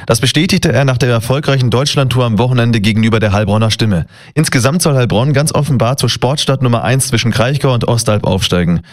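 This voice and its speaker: A man's voice: medium pitch, fast talker, hardly any pauses. A man reads a regional radio news report from a script. His voice sits in a middle register, in the manner of a local station reporter.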